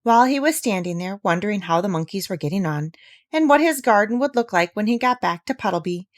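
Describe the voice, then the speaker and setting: A woman reading a children's story aloud as expressive scripted narration. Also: medium pitch, quick pace, no room sound, clean studio sound. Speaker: audiobook reader.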